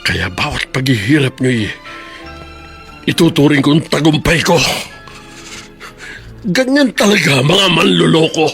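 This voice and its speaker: A resentful, scorned older brother in a radio play, all mockery and grudges. His voice sits fairly high and leaps wildly in pitch as he taunts and lashes out. Faint music plays under the scene. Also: lively intonation, unhurried, long pauses. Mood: vengeful. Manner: sneering, taunting, swings up into sharp high outbursts. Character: bitter jilted older brother, mocking and resentful. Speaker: radio drama actor. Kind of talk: radio drama acting.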